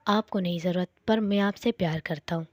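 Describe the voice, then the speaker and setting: A woman's voice: on the low side, a little fast, darkish tone, no room sound, studio quality, voice pushed down, natural voice. A woman doing a possessive young man. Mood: tender. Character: obsessive possessive young man, teasing and clingy.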